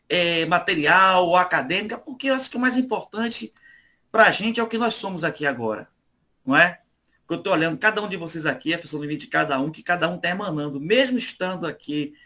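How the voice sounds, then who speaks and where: A man's voice: high voice, bright, forceful tone. A man from Salvador with a Bahian Brazilian accent, speaking conversationally as a guest at an online religious study meeting and often adding tag questions. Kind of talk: informal religious talk.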